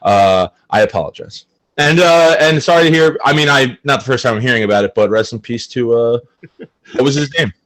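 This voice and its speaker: A man's voice: medium pitch, a little fast, fairly bright tone. A man co-hosting a podcast from home over a call, joking and laughing at himself. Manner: joking, self-deprecating, laughs often. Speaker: podcast co-host. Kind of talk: casual chat. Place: home, recording remotely. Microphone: headphones with mic on a video call.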